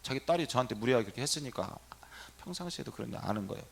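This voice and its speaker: A middle-aged man, a Catholic priest, telling a story in a sermon and acting out the quoted dialogue with lively energy. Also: medium pitch, racing, creaky, husky.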